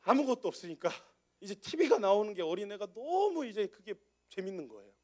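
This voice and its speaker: Pastor guy telling a story from the pulpit, kinda high voice, animated and chatty. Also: fairly quick. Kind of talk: storytelling sermon.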